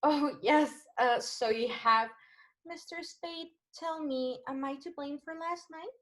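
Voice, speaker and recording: A woman's voice: high voice, a little slow, a bit bright. A woman playing an anxious, evasive femme fatale in a 1940s-style radio noir, hesitant and theatrical. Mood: flustered.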